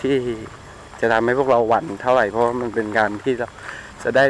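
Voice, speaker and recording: A young man quietly narrating an exploration vlog outdoors at dusk, talking to his viewers while searching around an abandoned cabin. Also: medium pitch, little pitch movement, quick pace, rough recording. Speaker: vlogger exploring abandoned sites. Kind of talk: casual on-the-spot vlog talk. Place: outdoors in a rural forest clearing at dusk. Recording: outdoor camera audio with insect noise. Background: crickets and insects.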